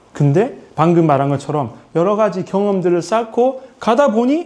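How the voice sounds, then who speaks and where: A man with a dark, mellow tone speaks at a fairly slow pace with very wide pitch swings. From Busan, South Korea. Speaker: airline pilot, invited speaker. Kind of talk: career talk to students and parents.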